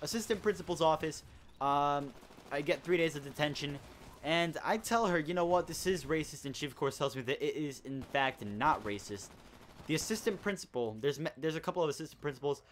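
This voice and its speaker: A man's voice: on the high side, a little fast, slight background noise. A teenage boy hosting a casual gaming chat, telling a school story in a rambling, indignant way. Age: teens. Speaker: host.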